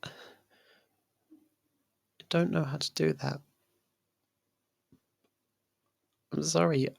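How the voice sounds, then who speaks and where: A performer voicing a possessive, lovestruck young faerie royal in an intimate ASMR roleplay, speaking softly and haltingly. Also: mid-range voice, fairly even intonation, gravelly, breathy edge, dry recording, heavily acted. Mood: pleading, possessive. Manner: hesitant, halting, soft and pleading.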